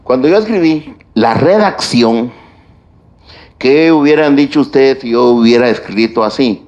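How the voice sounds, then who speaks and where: A man giving a university lecture on grammar, speaking deliberately and listing points one by one. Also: medium pitch, expressive, darkish tone, highs cut off. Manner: slow, deliberate delivery with stretched pauses and lists. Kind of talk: classroom lecture on grammar and writing.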